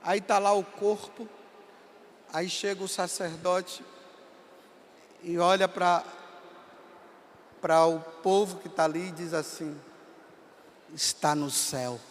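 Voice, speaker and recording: A Brazilian priest in his fifties with a Bahia accent, telling stories in a sermon and rising to impassioned shouts. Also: sits high, little pitch movement, slow pace, long pauses, a little hiss or hum. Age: 50s. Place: large hall at a camp gathering. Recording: long reverb of a large hall.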